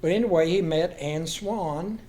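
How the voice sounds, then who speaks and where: An older man with a slightly high-set voice tells folksy stories. He takes his time, breaking the tale into short phrases with pauses between them. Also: dark tone. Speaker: guest storyteller. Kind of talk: folksy anecdotal storytelling.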